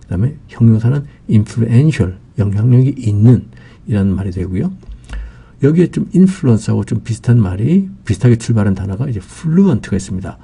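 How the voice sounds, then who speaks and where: A man's voice: lowish voice, lively intonation, brisk, gravelly, warm tone, slightly rough. A man giving an English vocabulary lesson, explaining patiently with many fillers.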